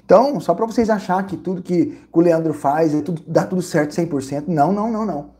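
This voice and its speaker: A Brazilian man vlogging casually, telling an animated, repetitive story with lots of exclamations. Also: high voice, fast talker. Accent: Brazilian Portuguese. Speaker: vlogger reviewing credit card perks and hotels.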